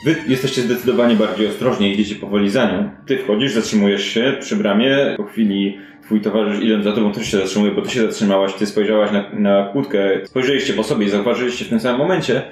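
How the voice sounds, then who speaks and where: A man's voice: lowish voice, steady tone, brisk, few pauses, a little mellow, slight background noise. A man improvising narration as game master of a fantasy tabletop game. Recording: roomy, background music. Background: music.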